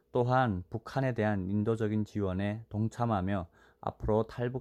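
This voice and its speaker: A man speaks at a fairly slow pace in a fairly low pitch, his tone dark and mellow, over a quiet background. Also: dry, close sound with no echo. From North Korea. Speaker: youth baseball team manager, defector. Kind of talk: interview. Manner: formal.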